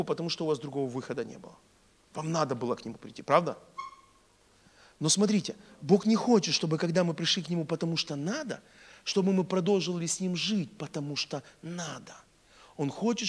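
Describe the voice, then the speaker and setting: Casting: middle-aged male pastor, high-pitched voice, animated conversational sermon, repeats key lines, throws questions at listeners, acts out dialogue. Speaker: pastor preaching. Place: church stage indoors. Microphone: handheld microphone.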